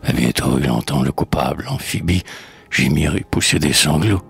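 A man reading a verse fable aloud in a slow, measured recitation. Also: extremely low pitch, animated, vocal fry, breathy edge, faint music behind. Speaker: poetry reader.

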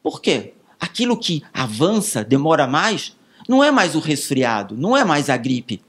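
A man with a Brazilian Portuguese accent, a pulmonologist answering interview questions, explaining slowly with vivid everyday examples. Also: on the high side, sing-song, a bit bright.

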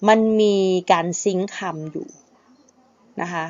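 Woman singing teacher, slow and polite, demonstrates pronunciation by singing, dry lo-fi sound. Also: on the low side, darkish tone, dry recording. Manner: demonstrates English pronunciation by singing and spelling out words; patient, polite, with frequent na kha and kha. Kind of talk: casual singing lesson.

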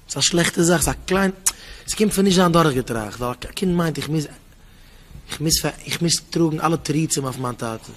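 A man's voice: brisk, fairly bright tone, a little hiss or hum. A man giving a Yiddish Torah talk with a Hasidic accent and English words mixed in, acting out parents and children as he tells his stories. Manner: acts out parent and child voices, pitch jumping up and down. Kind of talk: Yiddish sermon with animated storytelling.

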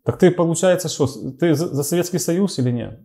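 A man's voice: a little high, brisk, mellow. A man from Ukraine hosting chat roulette, needling a stranger with mocking questions over an earphone mic. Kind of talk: provocative video chat. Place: indoor room. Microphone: earphone mic on video call.

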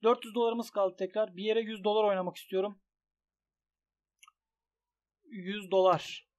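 A young man commenting on his bets as a gaming YouTuber, excitable and swinging from grumbling to shouting. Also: sits high, unhurried. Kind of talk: commentary on an online gambling site.

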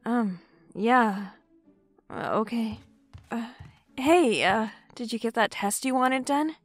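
A woman acting as a shy, friendly young bookseller in an audio drama, with a fairly high voice. She speaks slowly and hesitantly over music. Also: no echo. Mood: concerned. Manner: hesitant, soft-spoken.

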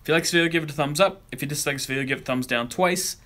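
A man's voice: fairly high pitch, very fast, pushed and bright. Regular guy vlogging on his cell phone, chatty, a bit grumbly, light background hiss. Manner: chatty and offhand, with mild grumbling. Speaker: camera vlogger. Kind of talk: casual vlog chat. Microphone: handheld cell phone recording.

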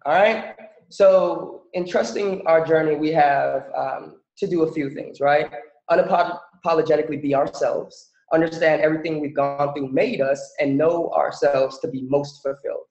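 Man from the Bahamas, easygoing presenter with lots of fillers, slightly high pitch, roomy lo-fi call audio. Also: normal speed. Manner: relaxed, chatty, many fillers. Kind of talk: casual presentation on a video call. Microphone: video call. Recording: echoey, dull video-call audio.

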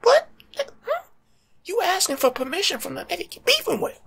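A young American man giving casual, slangy life-coach advice in an ASMR monologue, breathy and often dropping to a whisper. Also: very high voice, huge pitch swings, normal speed, a bit bright. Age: young adult. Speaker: ASMR video creator. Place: small room at home, indoors.

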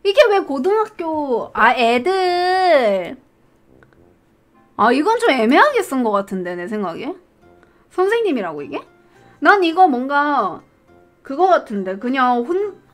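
Lively, high, bright young woman streamer. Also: measured pace, long pauses, faint music behind. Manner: reads questions aloud, puzzles over answers, laughs often. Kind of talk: casual live-stream quiz commentary.

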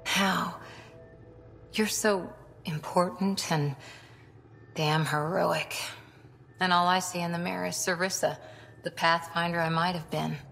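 An earnest soldier, low and gravelly. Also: female voice, fairly even intonation, unhurried, pauses often, a bit bright, faint music behind. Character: human woman soldier, loyal, self-doubting lieutenant. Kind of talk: video game voice acting.

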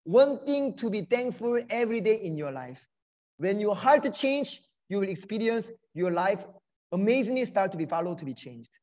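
High-pitched man giving a motivational talk. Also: sing-song, normal speed, a little mellow. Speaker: guest lecturer. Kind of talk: motivational online lecture. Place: indoors on a video call. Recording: dull, lo-fi video call.

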